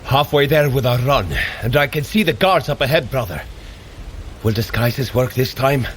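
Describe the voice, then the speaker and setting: An actor playing a hearty, brave warrior god in an audio drama, speaking in a bold, grand manner. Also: male voice, mid-range voice, moderate pace, slight background noise, natural voice. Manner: bold, declamatory, addressing the listener grandly. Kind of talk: scripted audio drama acting.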